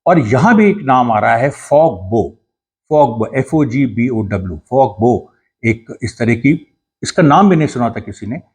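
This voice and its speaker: A man with a husky, slightly rough voice talks through a political commentary in an earnest, explanatory way. He pauses, backs up and restarts his sentences as he goes. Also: medium pitch, expressive, a little mellow. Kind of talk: casual commentary monologue.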